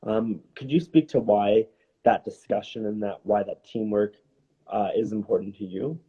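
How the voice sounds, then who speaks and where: Male host interviewer, lowish pitch, conversational and encouraging, rephrases as he goes. Dull lo-fi recording. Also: fairly even intonation, normal speed, slightly rough. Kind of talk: conversational live Q&A. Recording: dull lo-fi, faint noise.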